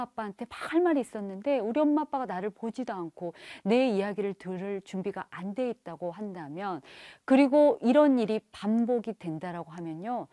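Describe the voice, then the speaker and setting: A woman giving a televised parenting lecture. She asks the audience rhetorical questions and acts out parents' and children's lines in quick voices. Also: mid-range voice, dark tone, no echo, studio quality.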